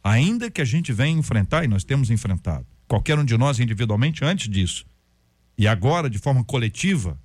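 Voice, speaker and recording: A man, a pastor, talking about prayer in a relaxed, conversational way and acting out stories and prayers. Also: mid-range voice, a little fast, dry recording. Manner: storytelling, acts out prayers and quotes. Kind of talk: conversational faith talk.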